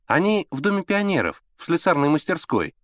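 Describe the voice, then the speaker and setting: An earnest, self-assured schoolboy who speaks with eager conviction, voiced by a man reading the story. The voice sits well above the reader's own and moves in lively swings. The sound is close and dry. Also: on the high side, a little fast, dry recording, voice pushed up.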